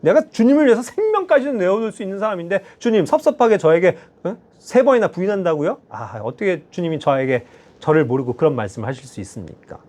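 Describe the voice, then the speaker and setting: A man's voice: sits high, very animated, fast talker, darkish tone. A man voicing the impulsive, boastful male disciple Peter, eager and protesting, as an acted quote in a sermon.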